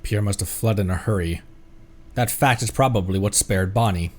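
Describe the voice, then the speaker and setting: A man's voice: fairly low pitch, normal speed, darkish tone. A man streaming a game, reading dialogue aloud and cracking jokes as he laughs along. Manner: joking, reads dialogue aloud, laughs often. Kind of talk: casual gameplay commentary.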